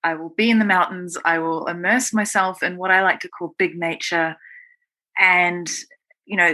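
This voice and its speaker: A woman's voice: on the low side, sharp tone. A woman with a New Zealand accent, telling her own story conversationally as an interview guest. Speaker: guest, writer.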